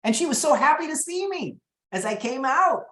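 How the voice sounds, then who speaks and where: A man running a real estate training webinar over a video call, telling lively stories and acting out quotes. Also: extremely high pitch, normal speed, roomy sound. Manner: lively storyteller, acts out quotes.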